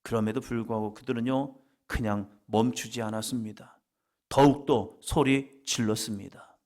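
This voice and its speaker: A middle-aged man preaching a worship sermon, dramatic, swinging from loud cries to quiet asides and leading the congregation in call-and-response. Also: medium pitch, fairly even intonation, normal speed. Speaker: pastor. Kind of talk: lively evening worship sermon.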